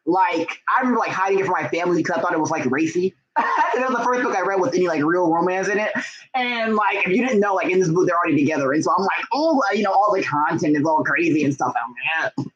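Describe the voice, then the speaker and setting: A young man hosts a casual livestream about books in a fairly high voice. He talks in a gushing, excitable way, with lots of slang. The sound is a bit dull and lo-fi. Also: fast talker, a loud crowd. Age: young adult. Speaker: book vlogger and writer hosting a livestream. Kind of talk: casual, chatty livestream talk.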